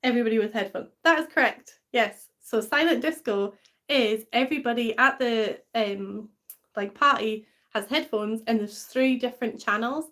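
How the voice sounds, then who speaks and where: A young woman from England with a blend of English and Scottish accents hosts a casual live stream, reading viewer comments and chatting in a rambling, filler-heavy way. Her voice is on the high side and fairly bright.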